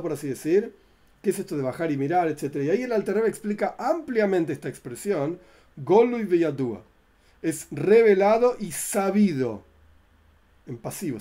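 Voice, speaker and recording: A man teaching a religious class, explaining slowly, rephrasing terms and correcting himself as he goes. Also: fairly high pitch, dark tone.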